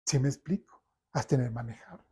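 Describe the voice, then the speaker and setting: Husky Mexican pastor preaching emphatically. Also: male voice, medium pitch, fairly quick, mellow. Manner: emphatic preaching with frequent rhetorical check-ins. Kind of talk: sermon. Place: church.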